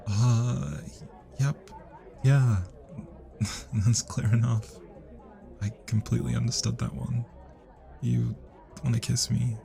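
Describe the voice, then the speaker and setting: A young man with a British accent playing a shy, flustered, sweet guy at a party in an intimate ASMR roleplay, speaking softly and hesitantly. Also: mid-range voice, fairly even intonation, takes it slowly, gravelly, long pauses, some chatter behind. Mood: eager, shy. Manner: hesitant, bashful, soft-spoken.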